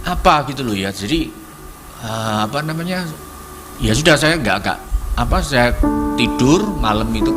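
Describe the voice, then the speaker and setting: A middle-aged man giving a testimony at a church prayer service, halting and repeating himself as he searches for words. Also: medium pitch. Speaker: congregation member giving testimony. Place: church hall. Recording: church service with music playing behind.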